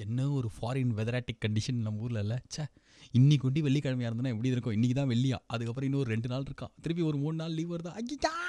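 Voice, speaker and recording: His tone is dark and mellow. A man talks at a medium pitch with ordinary pitch variation. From Chennai, India. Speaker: radio jockey. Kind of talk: radio show monologue.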